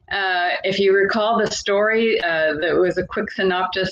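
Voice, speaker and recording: Over noticeable background noise, a woman of medium pitch speaks with monotone, flat intonation. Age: 70s. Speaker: former kindergarten teacher, mayor, business owner. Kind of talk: motivational talk at online event. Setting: online livestream.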